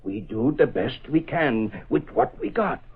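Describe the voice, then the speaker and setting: An actor playing a plain-spoken striking street laborer in a 1930s radio drama, with halting, folksy working-class speech, on a tinny old broadcast. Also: male voice, medium pitch, big pitch swings, slightly rough, exaggerated voice. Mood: earnest.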